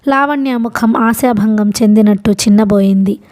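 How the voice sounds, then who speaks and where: A woman narrating a novel for an audiobook in a steady, measured reading. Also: fairly high pitch.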